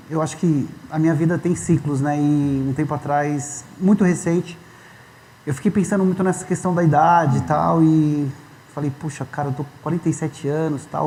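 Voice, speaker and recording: Mellow, nervous man in his forties. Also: fairly high pitch, a little hiss or hum, rough recording. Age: 40s. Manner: polite, a bit nervous, fills with "né". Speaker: guest. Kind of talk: interview testimony.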